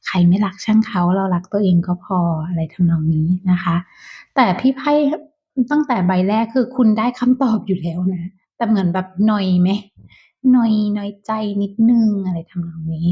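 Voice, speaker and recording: A woman giving a casual tarot reading to viewers, talking softly and chattily with whispered asides. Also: mid-range voice, normal speed, breathy edge. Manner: soft, chatty, with whispered asides and light laughs. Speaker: tarot reader. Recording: dull lo-fi sound.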